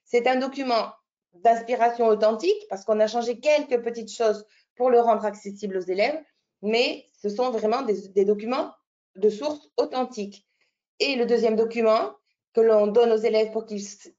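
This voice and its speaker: A woman's voice: on the high side, a little mellow, lo-fi sound. A woman with an Italian accent presenting a teacher-training webinar, explaining step by step with fillers and restarts. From Italy. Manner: explanatory, many fillers and restarts, checks in with "d'accord?". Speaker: French language teacher trainer.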